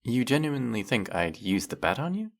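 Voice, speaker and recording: A man's voice: medium pitch, very animated, fairly quick, vocal fry. A man playing a teasing, sarcastic, flirtatious male faerie in a scripted roleplay monologue, scolding the listener with dry, theatrical playfulness. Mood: indignant, explaining.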